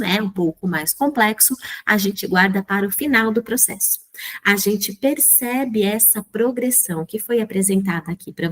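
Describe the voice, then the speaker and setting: A woman with a Brazilian Portuguese accent giving a recorded training lesson over slides, didactic and asking her listeners questions. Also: medium pitch. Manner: didactic, asks the audience questions, frequent "né". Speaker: teacher trainer.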